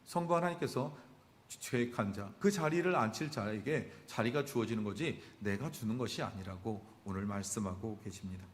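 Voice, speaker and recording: A male pastor delivers a sermon with a lively pitch that rises and falls freely. He poses rhetorical questions to the congregation and answers them himself. His voice carries a long reverb from a church sanctuary.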